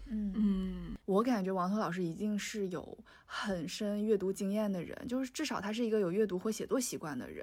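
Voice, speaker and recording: A woman speaks at a moderate pace in a medium pitch with ordinary pitch variation. She has a plain, everyday voice. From Northeast China, Liaoning. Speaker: podcast host. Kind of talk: casual interview.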